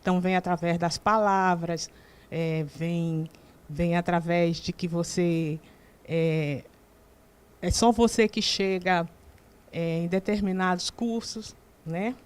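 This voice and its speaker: A Brazilian woman speaking as a guest on a TV panel, measured and thoughtful. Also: on the low side, fairly even intonation, smooth. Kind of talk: TV panel debate.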